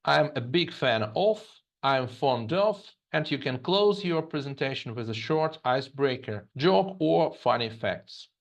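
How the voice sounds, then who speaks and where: A man from Germany, an English teacher, narrating a scripted lesson and reading example phrases slowly and twice. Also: medium pitch, highs cut off. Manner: reads example phrases slowly and repeats them.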